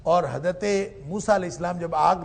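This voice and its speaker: A man teaching Quran commentary in a lecture, slowly reciting Arabic verses and then explaining them with rising emphasis. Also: high voice, creaky.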